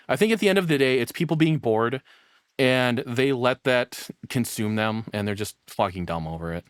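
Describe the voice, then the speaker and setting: A man's voice: medium pitch, lively intonation, moderate pace, clean tone, dry recording, clean studio sound. A man giving casual, off-the-cuff reaction commentary, rambling and blunt, with plenty of swearing. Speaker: streamer reacting to a video.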